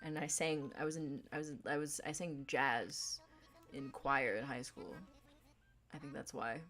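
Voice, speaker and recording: A young woman with a deep voice chatting casually on a gaming livestream, rambling in a playful, laid-back way. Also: steady tone, a little slow, a bit bright, faint music behind. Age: young adult.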